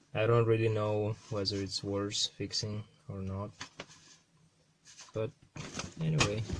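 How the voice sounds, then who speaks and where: A man with a non-native accent, fairly low in pitch, fairly even in intonation, fairly slow, with long, frequent pauses over noticeable background noise. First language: not English. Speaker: electronics repair youtuber. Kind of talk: tutorial. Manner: unscripted, speaking live in English.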